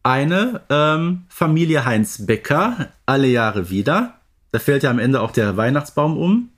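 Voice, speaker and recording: Man, husky rough-edged voice, medium pitch, casual podcast talk. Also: sing-song, measured pace. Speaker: podcast co-host. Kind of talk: casual unscripted podcast chat.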